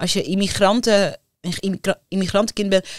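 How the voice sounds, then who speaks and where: A woman at a moderate pace, in a dry sound with no echo over a quiet background. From Netherlands. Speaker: entrepreneur and former TV presenter; TV presenter. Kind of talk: podcast interview. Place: studio. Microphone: studio mic.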